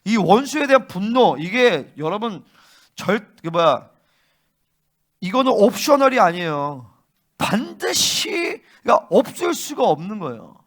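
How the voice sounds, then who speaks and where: A male pastor preaching a fervent sermon and often pressing his listeners with quick questions. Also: high-pitched, sing-song. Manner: fervent, keeps prompting listeners with "응?".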